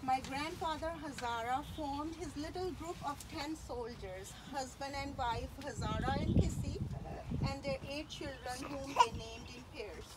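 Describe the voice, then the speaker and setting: A high-pitched woman's voice gives a eulogy over clearly audible background noise. Her delivery is faltering and tender, moving in short, careful phrases. She speaks with reverence, as a daughter remembering a parent. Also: a little slow. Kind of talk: personal eulogy speech.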